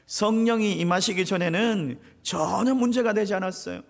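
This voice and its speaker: A man's voice: high voice, moderate pace, vocal fry. A male senior pastor preaching a sermon, telling a story and addressing the congregation directly. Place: church sanctuary. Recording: reverberant church sanctuary.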